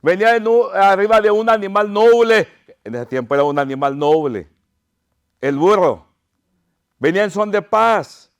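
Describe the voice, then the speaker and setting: A man's voice: high voice, animated, moderate pace, pauses often, clean tone. A pastor preaching an impassioned sermon to his congregation, crying out pleas and calling them his brothers.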